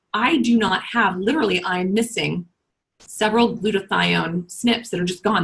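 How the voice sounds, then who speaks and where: Ordinary pitch variation runs through a woman's speech at a moderate pace. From US Midwest, Kansas. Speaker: naturopathic doctor. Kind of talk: webinar interview explanation.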